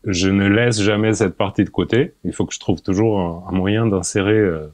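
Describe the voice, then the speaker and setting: A man in his forties, a podcast guest, talking in a relaxed, hesitant way, often repeating words and laughing. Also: lowish voice, moderate pace, no room sound. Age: 40s. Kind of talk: casual interview.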